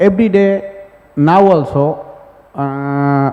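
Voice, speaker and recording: A man talks with a Bengali accent. Noticeable background noise runs beneath his voice. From Bangladesh. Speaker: audience member, NGO founder. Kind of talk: audience question at conference. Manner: halting, broken English.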